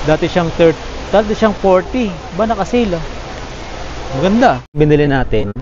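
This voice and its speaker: Filipino vlogger chatting away, calls the dogs loud, kinda muffled sound, faint hiss. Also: medium pitch, animated, normal speed. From Philippines. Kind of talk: casual vlog narration.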